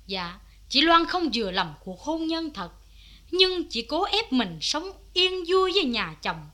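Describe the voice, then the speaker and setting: A sincere loyal young friend. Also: female voice, high-pitched, very animated, measured pace, bright, forceful tone, exaggerated voice. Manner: earnest, composed testimony.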